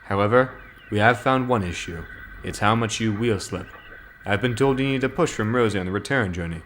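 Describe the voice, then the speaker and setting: A man's voice: lowish voice, fairly quick, fairly bright tone, slight background noise, lightly acted. A man voicing a firm but fair middle-aged railway boss in a formal, authoritative manner, in a storybook reading. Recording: music playing clearly behind.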